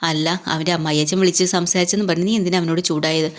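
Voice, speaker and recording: A woman's voice: fairly low pitch, steady tone, fast, close to an everyday voice. A woman voicing a patient older man who gives advice in a retold TV serial. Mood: advising.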